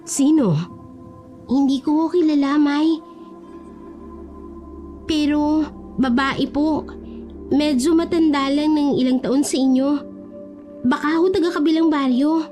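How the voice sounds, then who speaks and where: A woman's voice: sits high, fairly even intonation, a little slow, long pauses, warm tone, soft background music, voice pushed up. A woman voicing a young provincial woman who speaks politely and worriedly. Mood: anxious.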